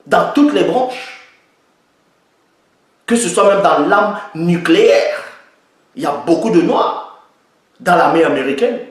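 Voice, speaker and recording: Guy ranting his opinion, keeps repeating stuff for emphasis, slightly high voice, super echoey room. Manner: emphatic, repeats points for stress. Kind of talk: opinion monologue, citing the Bible.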